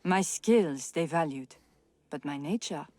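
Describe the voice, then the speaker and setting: An actress playing a proud, resentful outcast psyker in a video game, speaking in a measured, brooding way. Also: female voice, low voice, animated, a little mellow. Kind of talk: video game character voice acting.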